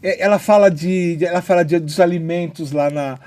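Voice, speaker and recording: A man's voice: sits high, fairly even intonation, brisk, a little mellow. A man hosting an interview, talking hesitantly with many fillers while praising a book. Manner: hesitant, filler-heavy enthusiasm. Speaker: interviewer, host. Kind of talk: casual interview.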